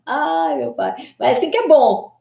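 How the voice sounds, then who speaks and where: A woman's voice: high-pitched, vocal fry, warm tone. Chatty, giggly woman, echoey room. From Belém do Pará, Brazil. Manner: chatty and giggly, constant tag questions. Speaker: hair coloring specialist. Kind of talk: casual live chat answering viewers.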